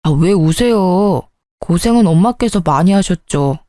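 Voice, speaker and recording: A woman voicing an earnest young adult son who turns sharp and irritable, speaking in clipped, pleading sentences. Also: on the low side, animated, unhurried, no room sound, clean studio sound.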